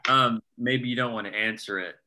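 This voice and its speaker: A man asking a question in a casual group discussion, halting and tentative in his phrasing. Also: mid-range voice, fairly even intonation, bright, forceful tone.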